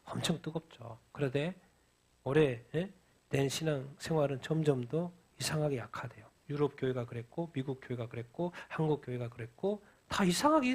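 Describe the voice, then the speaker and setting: Male pastor, sermon, fairly high voice, asks questions and answers them, heated acted-out quotes. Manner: acts out quoted lines in a loud heated voice.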